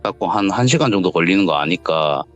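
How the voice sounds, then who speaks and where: A man calling in to tell a true ghost story, animated and acting out the quotes as he goes. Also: lowish voice, a little fast, highs cut off, faint music behind. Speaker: caller telling a viewer's story. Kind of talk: telling a true ghost story on a call-in radio show. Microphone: voice call.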